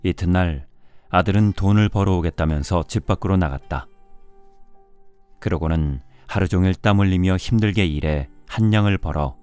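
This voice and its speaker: Deep, mellow male audiobook narrator. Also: moderate pace, clear, resonant tone. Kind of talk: scripted storybook narration for bedtime listening. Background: music.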